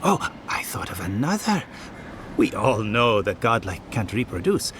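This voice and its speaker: A man's voice: fairly low pitch, sing-song, unhurried, noisy background. An actor playing a fussy, pompous male researcher with a theatrical, sardonic, condescending manner. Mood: eager, prying. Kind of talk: video game character dialogue.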